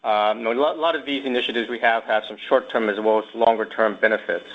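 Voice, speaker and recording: A man speaking as a company executive, giving measured business answers on an earnings call. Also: fairly low pitch, fairly even intonation. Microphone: conference call line. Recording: dull conference call audio.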